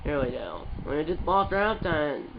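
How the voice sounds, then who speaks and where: A man's voice: a little high, very animated, normal speed. A man with a stuffed-up voice commentating his football video game in a casual, rambling way, calling the plays as they happen. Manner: rambling, with restarts and play-by-play calls. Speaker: gaming channel host. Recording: muffled with background noise.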